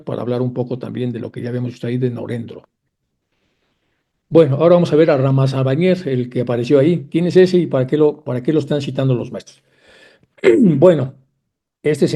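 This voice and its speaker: A man giving a lecture, reading long passages aloud with frequent restarts and pauses. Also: mid-range voice, gravelly, dark tone. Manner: reads aloud a long first-person account with frequent restarts.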